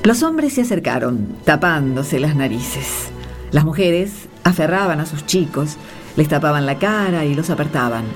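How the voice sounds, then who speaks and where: A woman's voice: low voice, expressive, measured pace, soft background music. A woman playing a grown daughter who narrates grim memories solemnly in a radio play. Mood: solemn, vivid. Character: caravan leader's grown child recounting grim memories. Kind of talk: dramatic first-person narration in a radio play.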